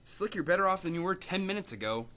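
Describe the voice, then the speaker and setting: A man's voice: sits high, animated, quick pace, sharp tone. A young man playing a casual, sardonic survivor in an amateur zombie horror radio drama. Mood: wry, matter-of-fact.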